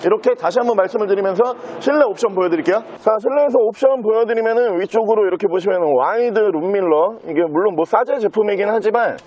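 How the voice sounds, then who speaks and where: Guy selling a used car on video, really high voice for a man, smooth nonstop salesman patter. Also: fast talker, few pauses, a little mellow, lo-fi sound. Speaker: used car dealer presenting a car.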